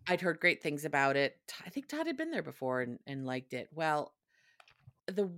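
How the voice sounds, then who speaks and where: Low bright-voiced woman chatting on a podcast, swings all over, sweary storyteller. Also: sing-song, moderate pace. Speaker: podcast host. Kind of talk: casual chat.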